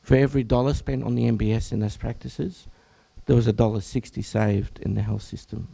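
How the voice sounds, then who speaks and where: A hoarse, croaky Australian man presents to a room of health professionals, his low voice rough with gravel. His tone is mellow and relaxed rather than bright. He keeps clearing his throat and stopping mid-phrase to start again. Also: brisk. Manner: clears throat often, breaks off and restarts phrases. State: hoarse, croaky from much talking. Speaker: general practitioner presenting at an information session.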